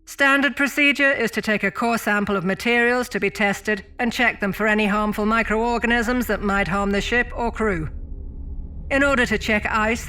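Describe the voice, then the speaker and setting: An actress playing a brisk female mining chief and officer on a spaceship, giving formal log reports in a sci-fi audio drama. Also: mid-range voice, bright, forceful tone, a little hiss or hum, natural voice. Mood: grave, urgent. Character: brisk woman mining chief turned acting captain of spaceship. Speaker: voice actor.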